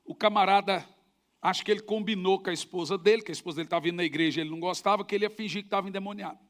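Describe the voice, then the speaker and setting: A middle-aged pastor with a Brazilian Portuguese accent preaches a sermon in a high voice at a racing pace. He tells stories in an animated way, adding sound effects.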